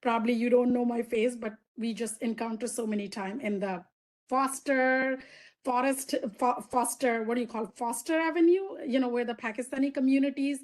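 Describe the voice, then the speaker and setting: Indian lady on a video call, fairly high voice, rambling loose talk with lots of restarts. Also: steady tone, normal speed, low-quality recording. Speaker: agency liaison. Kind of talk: informal presentation at a community meeting.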